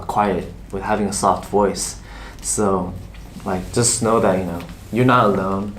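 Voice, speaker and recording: A young man in casual chat, talking gently and reassuringly to a fan with many "you know" fillers. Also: lowish voice, slight background noise. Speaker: K-pop idol answering a fan.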